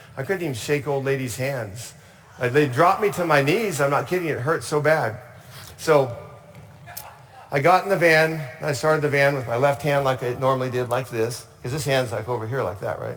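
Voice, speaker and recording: Fairly quick, fairly high male speech with ordinary pitch variation, audible room echo and noticeable background noise. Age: 60s. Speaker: chimney sweep giving product testimonial. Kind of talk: testimony. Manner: casual, conversational storytelling.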